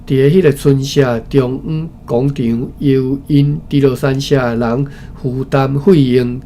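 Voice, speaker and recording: A man with a Taiwanese accent reads a historical text aloud as a study session presenter, haltingly, often repeating phrases and adding informal asides. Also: medium pitch, fairly even intonation, warm tone. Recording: clearly noisy recording with background ambience.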